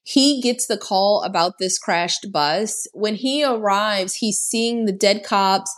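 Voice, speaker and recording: A woman takes her time speaking, her medium-pitched voice slightly bright. Co-hosting a podcast, she chats sarcastically through a casual recap of a horror movie, with "like" cropping up over and over.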